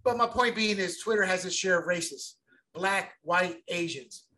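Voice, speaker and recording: High, bright-voiced animated man. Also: normal speed. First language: bilingual since childhood. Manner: animated, rambling, repeats words when excited. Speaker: podcast co-host. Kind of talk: casual sports chat.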